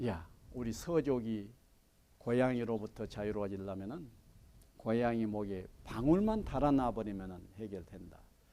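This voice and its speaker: Audible room echo surrounds a man speaking in a Jeolla accent. His medium pitch carries a dark, mellow tone and ordinary pitch variation. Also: fairly slow pace. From Jeolla region, Korea. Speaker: Buddhist monk and meditation teacher. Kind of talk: dharma lecture. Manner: conversational, colloquial.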